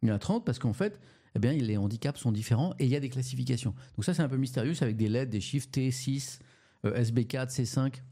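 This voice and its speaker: A man hosting a casual live-stream review of the morning papers. He speaks haltingly, often restarts and repeats words, and asks his audience questions. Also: medium pitch, dark tone.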